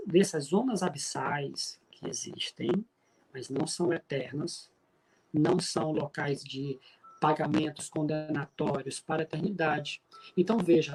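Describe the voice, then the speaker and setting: A middle-aged man from Pará, Brazil, with a regional accent, giving an emphatic, preacher-like spiritist talk with frequent filler pauses. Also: fairly high pitch, darkish tone, a little hiss or hum, rough recording. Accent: Brazilian Portuguese from Pará. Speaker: spiritist speaker.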